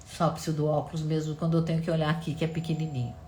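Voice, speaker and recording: Woman doing a live stream, low voice, chatty and lively, echoey room with a bit of background hum. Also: very fast. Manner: animated storytelling, frequent "né?" tag questions. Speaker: live-stream host discussing books and films. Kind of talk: casual live-stream talk. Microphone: camera at close range.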